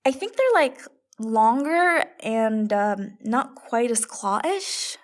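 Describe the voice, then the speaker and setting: A no-nonsense young heroine in an audio comedy , acted by a woman. She is practical and wry, with a fairly high voice that moves about in lively swings. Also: slow. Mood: concerned. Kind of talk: audio fiction comedy acting.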